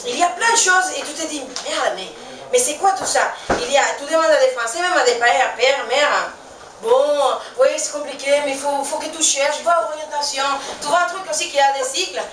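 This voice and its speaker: A woman's voice: high-pitched, normal speed, a bit bright. A woman from Venezuela with a Venezuelan Spanish accent, a native Spanish speaker in her twenties, doing a chatty, self-mocking stand-up show and laughing at her own jokes. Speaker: stand-up comedian. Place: stage in a small venue with a live audience. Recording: echoey room from far off, noisy.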